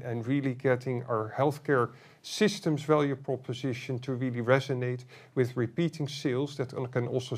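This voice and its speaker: A man presenting an earnings call as chief executive, in halting corporate phrasing. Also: medium pitch, a little mellow.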